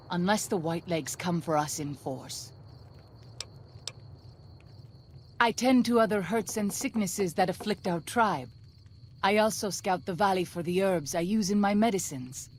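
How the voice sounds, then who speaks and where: A woman playing a solemn tribal midwife and scout in a video game, speaking formally and with measured, archaic phrasing. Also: mid-range voice, animated, slight background noise, close to an everyday voice. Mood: calm, wry.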